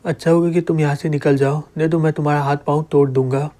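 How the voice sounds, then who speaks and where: A cocky young male fighter, all threats and bluster, read by a man narrating a comic. His voice sits a little high and soft. The delivery is plain storybook reading rather than full acting. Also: little pitch movement, fast, lightly acted. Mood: threatening. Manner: threatening, shouting.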